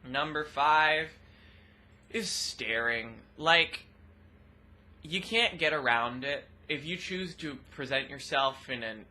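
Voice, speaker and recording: A young trans woman with a rather deep voice, talking expressively and loudly in a casual personal vlog. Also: slow. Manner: expressive, loud, laughs often. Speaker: vlogger.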